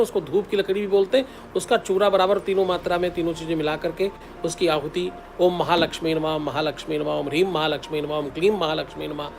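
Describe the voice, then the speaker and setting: Higher-voiced man giving devotional instructions. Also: a little hiss or hum. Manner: instructive, repeats key steps, intones mantras. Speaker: spiritual teacher giving astrology remedies. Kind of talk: devotional advice talk.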